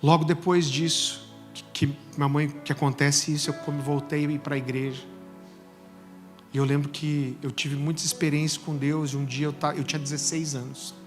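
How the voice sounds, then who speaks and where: A Brazilian pastor in his forties preaching a sermon, telling jokey stories before turning soft and earnest. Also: on the high side, normal speed. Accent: Brazilian Portuguese. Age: 40s. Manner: animated, joking storytelling that turns soft and earnest. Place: church service. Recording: long church reverb with soft music.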